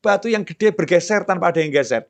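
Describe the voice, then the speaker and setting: Give me a middle-aged preacher with a somewhat high voice, talking conversationally in a sermon. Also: male voice, animated, fast talker, highs cut off. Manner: conversational, plays out prayers and dialogue in a softer lowered voice.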